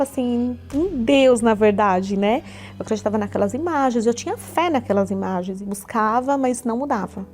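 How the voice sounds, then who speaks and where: A woman's voice: a little high, darkish tone. Earnest Brazilian woman giving a testimony. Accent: Brazilian Portuguese. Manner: earnest, repeats herself often. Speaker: church member giving a testimony. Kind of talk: personal testimony. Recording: faint music underneath.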